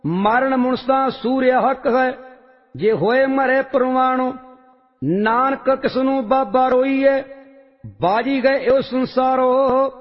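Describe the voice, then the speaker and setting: A man reciting religious hymns in a measured, sing-song chant. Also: extremely high pitch. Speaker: scripture reciter. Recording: long reverb, dull lo-fi sound, faint music.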